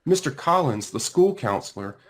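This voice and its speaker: A man with a medium-pitched voice narrates a children's storybook. His intonation swings widely and expressively, and he leans on dramatic pauses and stretched-out phrases to carry the tale. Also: big pitch swings. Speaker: author reading his children's book. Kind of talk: animated children's read-aloud narration.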